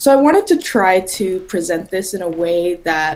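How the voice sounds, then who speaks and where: With an American accent, a woman speaks at a medium pitch in an unremarkable speaking voice. Her intonation is lively. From US, Denver. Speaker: robotics engineer, invited speaker. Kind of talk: presentation talk. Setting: live stream. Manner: many filler ums.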